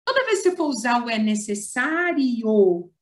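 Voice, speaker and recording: Brazilian female teacher, higher pitch, patient and explanatory, online class. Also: very animated. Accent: Brazilian Portuguese. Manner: explains patiently, stretching example words slowly. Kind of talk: online writing lesson.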